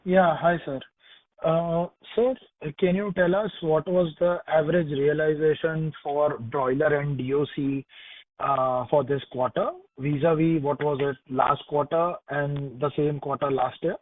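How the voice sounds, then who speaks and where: A man's voice: on the high side, steady tone, a little slow, no echo. A man with an Indian accent, an investment analyst putting questions to company management on an earnings call. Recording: dry, thin phone line.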